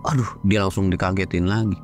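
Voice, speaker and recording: A man tells a ghost story in a casual, slangy style, as if talking to friends. His voice sits low and drops to a hush at the eerie parts. Faint music runs behind him. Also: fairly even intonation, fast. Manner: chatty slangy retelling, sudden shifts into hushed and loud moments. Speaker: horror story narrator.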